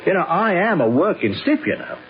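A breezy working bloke in a vintage radio play. His comes with colloquial, animated phrasing that turns hesitant and wary. The old broadcast sounds slightly dull. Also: high voice, fairly quick. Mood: wary, warning. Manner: colloquial, hesitant when uneasy. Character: breezy, wary Antipodean working man, loyal old pal. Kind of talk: 1970s radio drama acting.

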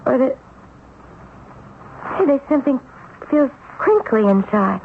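An actress playing a skeptical, protective wife in a 1970s radio drama, with an expressive, incredulous delivery. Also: female voice, high-pitched, slow, exaggerated voice. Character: skeptical, protective, exasperated wife of a former banker. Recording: dull, hissy 1970s radio broadcast.

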